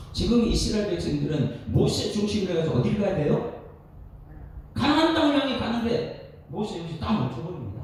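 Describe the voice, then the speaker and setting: Animated pastor preaching in an echoey hall. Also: male voice, high-pitched. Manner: animated preaching with questions to the congregation. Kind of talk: expository sermon at a dawn prayer service. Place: church sanctuary. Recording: echoey hall, distant mic, faint noise.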